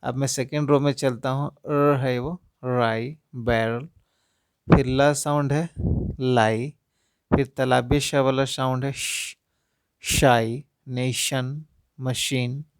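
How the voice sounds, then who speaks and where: Slow, deliberate male reading tutor. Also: mid-range voice, fairly even intonation, smooth, no echo, clean studio sound. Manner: deliberate, sounds words out syllable by syllable; repeatedly addresses dear parents. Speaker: English reading tutor for parents. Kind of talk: instructional talk to parents.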